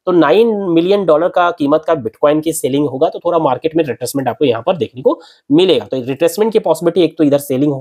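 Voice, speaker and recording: A man's voice: fairly high pitch, mellow. A man hosting a market analysis video, walking through price charts in a conversational way and repeating his points to drive them home. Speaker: crypto market analyst host. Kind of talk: chart walkthrough explanation.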